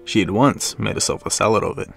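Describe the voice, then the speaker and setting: Gravelly Australian man telling a fairy tale. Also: on the low side, fast, faint music behind. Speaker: storyteller. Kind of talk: dramatic storybook narration.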